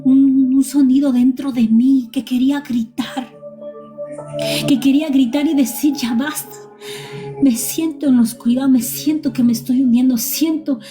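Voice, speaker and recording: High-voiced woman testifying over worship music. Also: mellow. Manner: emotional, repeats phrases, addresses listeners as brothers and sisters. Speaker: church member giving testimony. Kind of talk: church testimony.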